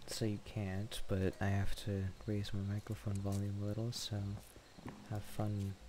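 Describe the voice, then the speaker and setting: The voice is quiet, at a fairly slow pace. Background noise is noticeable. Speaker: gamer. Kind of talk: relaxed gameplay commentary.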